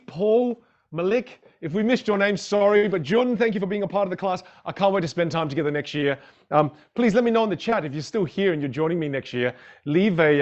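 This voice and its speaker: An energetic man whose first language is a Chinese dialect leads a live online public speaking class. His voice sits fairly high and swings widely as he talks with viewers in the chat. The stream audio is dull and lo-fi. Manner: animated, upbeat, addresses viewers in chat.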